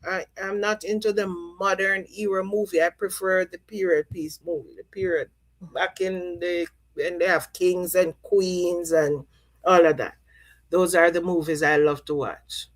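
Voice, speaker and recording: A woman's voice: fairly low pitch, fairly even intonation, measured pace, poor audio. A middle-aged woman from Jamaica, chatting casually on a live stream and repeating herself as she reads out viewer comments. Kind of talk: casual chat.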